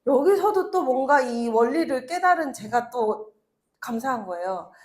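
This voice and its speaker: A woman's voice: sits high, lively intonation, normal speed, a little mellow. A woman in her thirties giving a chatty motivational talk to an audience, telling personal stories with laughs and acted-out quotes. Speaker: network marketing speaker.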